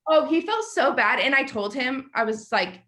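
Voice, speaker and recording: A woman in her late twenties, a podcast guest, telling a story in a chatty, animated way and filling her speech with "like.". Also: high voice, moderate pace. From United States. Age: 20s. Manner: chatty, animated, lots of "like" fillers. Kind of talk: casual storytelling.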